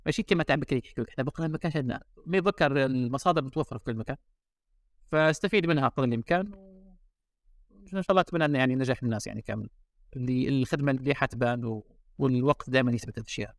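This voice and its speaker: Fast-talking Algerian man, dry sound. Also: medium pitch, no room sound. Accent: Algerian Arabic. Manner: relaxed, mixes in English and French words. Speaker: guest designer. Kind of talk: casual podcast chat. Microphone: remote call.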